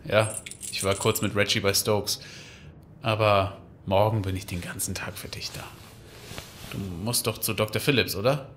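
An actor playing a tired, caring boyfriend in a German radio play. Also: male voice, fairly low pitch, fairly even intonation, moderate pace, a bit bright, a little hiss or hum, close to an everyday voice. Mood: concerned.

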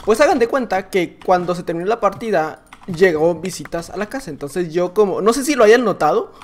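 Excitable Mexican gamer man, slangy. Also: high voice, fairly quick. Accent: Mexican Spanish. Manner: excitable, slangy, often shouts and laughs. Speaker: gaming YouTuber. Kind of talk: casual gameplay commentary.

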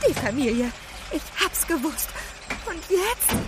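An actress playing a small, feisty apple witch in a children's audio drama, husky and dramatic. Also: expressive, a little slow, background noise. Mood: alarmed. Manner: dramatic, shifting between hushed and shrill.

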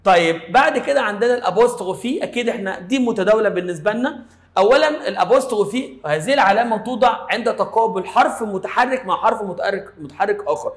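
Egyptian guy teaching french, playful, high voice, roomy echo. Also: lively intonation. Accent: Egyptian Arabic. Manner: playful, explains slowly with little stories. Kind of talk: casual video lesson.

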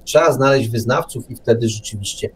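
A man's voice: mid-range voice, brisk, low-quality recording. An older man in casual radio discussion, arguing his points with irony. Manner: argumentative, ironic. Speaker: radio show speaker.

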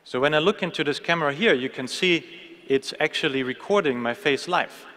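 Man demoing software on a reverberant stage. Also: a little high, a little fast. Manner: casual, hesitant, many fillers and restarts. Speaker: software presenter. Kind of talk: live tech keynote demo. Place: large conference hall stage. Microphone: podium mic. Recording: long hall reverb.

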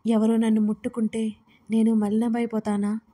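A frightened young woman speaks in a hushed, broken voice, close to tears, as a female storyteller puts her on. Her voice sits fairly high and dark, with very little rise and fall. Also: little pitch movement, lightly acted. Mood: anxious. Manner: soft, halting, tearful. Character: young woman, distressed and fragile.

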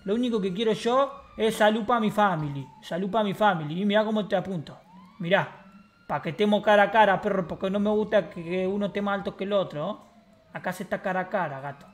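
A man's voice: high-pitched, fast. A man with an Argentine accent, streaming in-character game role-play with brash, mocking street talk. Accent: Argentine Spanish.

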